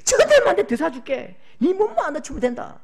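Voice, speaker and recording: A man voicing a frantic, loving middle-aged father, loud and emotional. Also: huge pitch swings, fairly quick, vocal fry, full character voice. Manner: loud, high, emotional outbursts.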